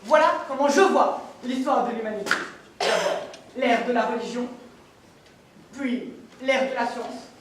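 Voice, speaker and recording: An actress playing a self-important poet-playwright, declaiming pompously and emphatically in a stage comedy. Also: female voice, on the high side, a little slow, long pauses, lightly acted. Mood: exalted. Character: grandiose, self-important poet-playwright preaching theater's glory. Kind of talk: live stage comedy acting. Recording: distant, very echoey theater recording, faint noise.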